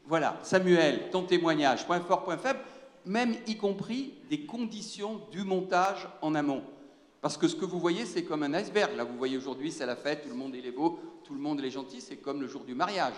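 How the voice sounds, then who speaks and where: A man moderating a round table in an animated, joking, teacherly way, on a handheld mic in a large lecture hall. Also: a little high, normal speed. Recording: echoey hall, long reverb.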